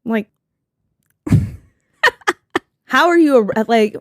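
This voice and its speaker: A woman's voice: fairly high pitch, animated, drawn-out words, no room sound. Sarcastic woman host with a dry sound. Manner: sarcastic, laughs often, swears freely. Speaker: podcast host. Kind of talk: casual chat.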